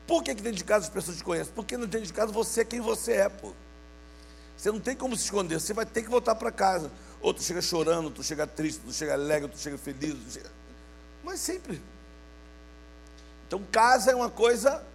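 A man's voice: high-pitched, gravelly, slight background noise. A man, giving a playful sermon to young people and calling out to his listeners for answers. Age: 50s. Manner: playful, calls out to listeners for responses. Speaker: youth preacher.

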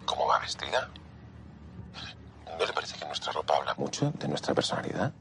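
An actor playing a calm, courteous heist mastermind whose voice comes through a voice modifier as a deep, metallic sound. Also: male voice, creaky, loud music behind the voice, full character voice. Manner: polite, measured, formally courteous. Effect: voice modifier, deep metallic distortion. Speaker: robber leader negotiating by phone.

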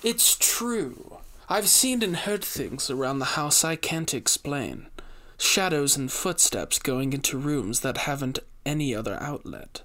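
A man reading a story, voicing a nervous young man who speaks haltingly. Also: mid-range voice, animated, pushed and bright. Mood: shaken. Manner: halting, faltering.

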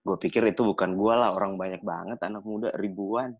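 A man's voice: lowish voice, steady tone, fairly quick. A man in his thirties from Manado, Indonesia, telling his story in a slangy, jokey way as a podcast guest. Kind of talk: casual storytelling chat. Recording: dull lo-fi, dry sound.

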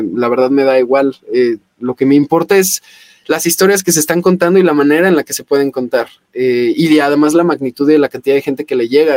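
A man's voice: mid-range voice, a little mellow, dry recording, clean studio sound. A young adult man, a voice actor talking as a podcast guest in an eager, rambling way full of fillers and restarts. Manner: enthusiastic, many fillers and restarts. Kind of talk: casual podcast interview.

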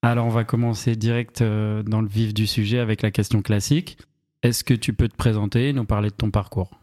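Low-ish male co-host, laid-back questions, casual chat. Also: a little fast. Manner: relaxed, prompting questions. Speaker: podcast co-host, interviewer.

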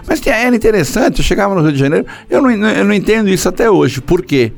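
A man's voice: sits high, big pitch swings, fast talker, gravelly, soft background music. An older man preaching a sermon, telling stories and acting out dialogues in different voices. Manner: storytelling, acts out dialogues in shifting voices. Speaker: pastor.

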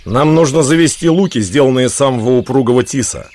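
An actor playing Robin Hood, a young outlaw leader addressing his band in a measured, declarative way in a radio play. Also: medium pitch, a little mellow, lightly acted. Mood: practical, persuasive.

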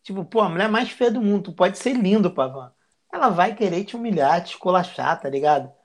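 A man's voice: high voice, lively intonation, fairly quick. A man, a podcast guest talking in a crude, slangy, boisterous way. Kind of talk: casual chat.

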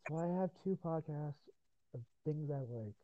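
A man's voice: fairly high pitch, expressive, moderate pace, no room sound. A man hosting a podcast in casual chat, swearing, rambling and laughing often, his voice tired after hours of talking. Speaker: podcast host. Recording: tinny phone-like line.

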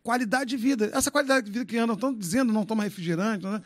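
Racing along in an extremely high-pitched voice, a man from Brazil in his fifties tells his story on a relaxed podcast. He's frank and loose, cracking jokes and cursing as he goes.

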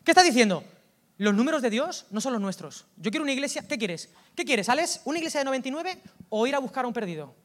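A man with a Valencian Spanish accent, preaching a lively, colloquial sermon that swings from loud outbursts to hushed asides. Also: very high voice, quick pace. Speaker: pastor.

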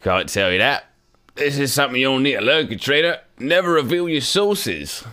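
A man voicing a friendly yet forceful Cockney paparazzo in his late forties, in a read-aloud story. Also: mid-range voice, very animated, normal speed, voice pushed up.

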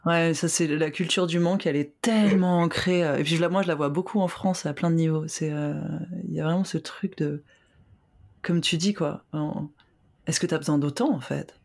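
A woman's voice: low voice, fairly even intonation, moderate pace, a little mellow. A woman hosting a podcast, chatting informally with her guest and murmuring along as she listens. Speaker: podcast host. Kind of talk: casual interview chat.

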